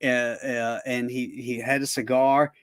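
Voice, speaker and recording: A man's voice: medium pitch, little pitch movement, a little slow, no room sound, studio quality. A middle-aged man hosting a casual interview over a video call, telling anecdotes with frequent laughs. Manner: chatty, laughs often while telling anecdotes. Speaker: show host.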